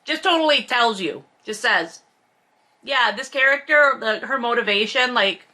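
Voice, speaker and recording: A woman's voice: on the high side, expressive, measured pace, pushed and bright. A woman hosting a book read-along, reading aloud and commenting in a blunt, profane, sarcastic and casual way. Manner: sarcastic, emphatic.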